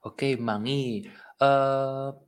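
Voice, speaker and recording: A student in a language lesson, trying out Chinese phrases and translating them. He pauses and thinks aloud before he answers. His voice sits in a middle pitch. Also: steady tone, clear, resonant tone.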